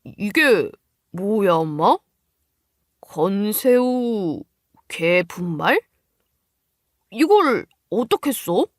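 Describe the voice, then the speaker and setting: A woman's voice: mid-range voice, big pitch swings, extremely slow, pauses often, no echo, clean studio sound. A woman voicing a callous, grumbling husband and mother's boy in a dramatized story, with dismissive delivery. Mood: puzzled.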